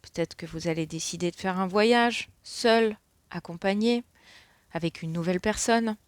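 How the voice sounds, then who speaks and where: A woman's voice: medium pitch, normal speed, clear, resonant tone, no room sound. A middle-aged woman giving a casual spoken card reading, rambling with many fillers. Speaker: tarot card reader.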